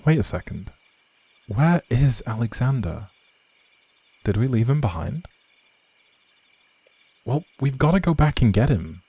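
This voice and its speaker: A man playing an outlawed prince, a gentle, protective leader, in earnest dramatic roleplay audio with old-fashioned, measured phrasing and a husky, breathy voice. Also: medium pitch, big pitch swings, no echo, exaggerated voice. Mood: firm, alarmed.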